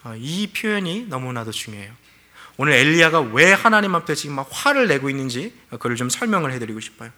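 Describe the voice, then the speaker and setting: A man's voice: mid-range voice, sing-song, quick pace, bright, forceful tone. A man preaching a sermon in an earnest way, speaking straight to the congregation and acting out quoted prayers. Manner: earnest preaching, addresses listeners directly, acts out quoted prayers. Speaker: pastor.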